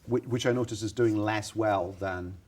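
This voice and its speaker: A man's voice: on the low side, steady tone, normal speed, a little mellow. A man interviewing a comedian, asking blunt, sarcastic questions. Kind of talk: mock interview.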